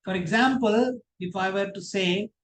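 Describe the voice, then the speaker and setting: A man teaching a public speaking workshop, speaking deliberately in short, emphatic phrases. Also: high voice. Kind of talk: instructional workshop presentation. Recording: roomy, echoing sound.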